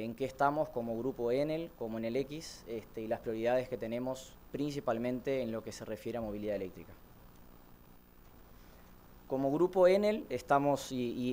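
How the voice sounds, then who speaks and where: A man from Brazil of Uruguayan family with a Uruguayan Spanish accent touched by Portuguese, giving a relaxed conference talk from a podium with many "este" fillers. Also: medium pitch, a little hiss or hum. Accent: Uruguayan Spanish with Brazilian influence. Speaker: conference speaker, electric mobility manager. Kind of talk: conference presentation. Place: large conference hall, speaking at a podium. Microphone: podium microphone, filmed from far.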